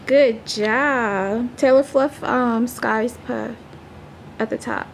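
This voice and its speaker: A woman's voice: a little high, steady tone, slow, gravelly, slight background noise. A young woman and mother chatting casually in a home vlog, rambling with lots of ums. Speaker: vlogger, mother. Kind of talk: casual family vlog chat. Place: home living room.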